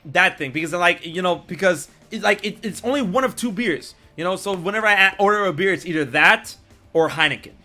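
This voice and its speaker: A young American man hosting a podcast, telling a story in casual chat and acting out quotes with sudden loud jumps. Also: high voice, a little fast, soft background music. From United States. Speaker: podcast host.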